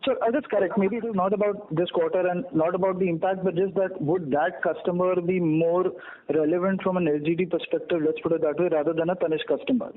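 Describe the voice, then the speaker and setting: A man with an Indian accent comes through a thin telephone connection, his voice a bit high. He puts questions politely as a financial analyst. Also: steady tone, fast. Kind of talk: polite questioning on a business call. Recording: narrow tinny phone line.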